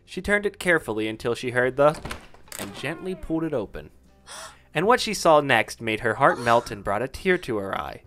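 A man's voice: mid-range voice, big pitch swings, normal speed, a bit bright, faint music behind. A man narrating a romantic fan fiction story in a scripted, dramatic reading style.

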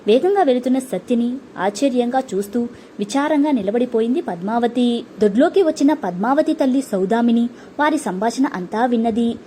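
A woman narrating an audiobook story in a calm, measured way. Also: a little high, slight background noise.

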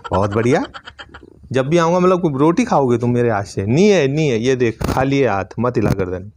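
A middle-aged man from Uttarakhand films a casual village vlog on his phone. His voice sits at an average pitch as he narrates everyday chores and playfully teases those around him. It sounds like handheld phone audio, mostly out in the open. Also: animated, moderate pace, very noisy. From Uttarakhand, India. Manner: teasing, playful chatter with family, animals and children. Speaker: village family vlogger. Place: village home, mostly outdoors in yard and fields. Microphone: phone at arm's length.

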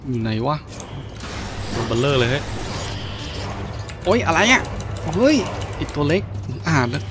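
A man's voice: fairly high pitch, very animated, normal speed, noisy background. A man doing gameplay commentary, full of exclamations and interjections as he reacts to play. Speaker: video game streamer. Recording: game music behind the voice. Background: video game music and effects.

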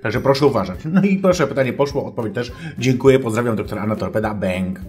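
Man as crude, self-important female sex doctor; mock-academic advice monologue, formal and foul-mouthed, mid-pitched. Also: animated, fast, a little mellow, lightly acted. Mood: lecturing. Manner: mock-scholarly lecturing, keeps addressing the audience formally, swears. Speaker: advice-show host. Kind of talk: comic character monologue.

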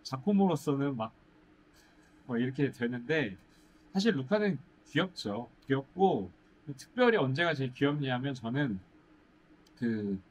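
A young man, a musical actor, chatting in a casual Q&A, pausing thoughtfully to search for words. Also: medium pitch, sing-song. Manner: thoughtful, drawn-out pauses while searching for words. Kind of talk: casual Q&A chat. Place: indoor stage set, seated.

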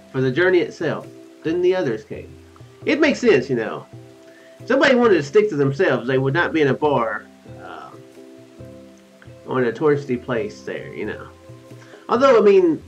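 Higher-pitched, animated man, musing game host. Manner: rambling, musing asides. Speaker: let's play host. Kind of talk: reading game text aloud with casual commentary. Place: small room at home. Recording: dull lo-fi audio with music behind. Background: game music.

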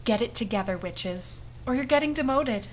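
A fairly high-voiced, menacing boss of witches played by a woman in an audio comedy. She is smug and condescending, silky in her threats. Faint ambience sits behind her. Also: animated, normal speed, a little hiss or hum, close to an everyday voice. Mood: smug, threatening. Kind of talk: comedic audio drama acting.

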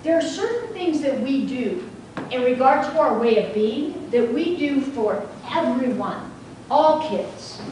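A woman's voice: high-pitched, animated, unhurried, dark tone, slight background noise. A woman leading a teacher training workshop, asking her audience questions as she talks. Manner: engaging, asks the audience questions. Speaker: workshop facilitator. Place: large training room with seated audience. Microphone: room recording from the back. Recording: very echoey room from far off.

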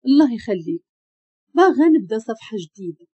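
A woman's voice: a little high, big pitch swings, fairly quick, breathy edge, no room sound, dull audio. A woman with a Moroccan accent voicing a distressed young wife who pleads through tears in a narrated story. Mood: pleading. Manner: pleading and tearful.

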